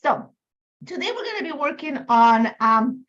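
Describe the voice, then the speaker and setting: A woman's voice: sits high, very animated, normal speed, fairly bright tone, lo-fi sound. A woman from Ecuador whose first language is Spanish, speaking English with an Ecuadorian Spanish accent as she hosts a live crafting demo from home, chatty and rambling with many "like, you know" fillers. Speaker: design team member hosting a live crafting demo. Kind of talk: casual live-stream chat.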